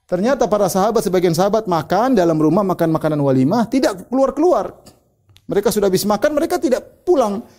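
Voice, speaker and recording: Male Indonesian preacher, religious lecture, fairly high pitch, dark tone. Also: very animated, fast talker. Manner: explains terms, retells stories with quoted dialogue. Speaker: Islamic preacher.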